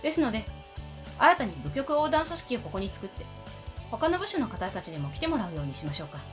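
A woman's voice: a little high, big pitch swings, fast talker, music in the background. A woman playing a composed middle-aged female ward chief, formal and commanding, in an amateur radio drama. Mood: composed, official. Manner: formal, commanding, crisp politeness.

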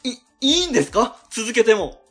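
A man playing an excitable, good-hearted office team leader with an eager manner in an amateur radio drama. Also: very high voice, fairly quick, faint music behind, exaggerated voice. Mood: startled, eager. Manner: eager, expressive.

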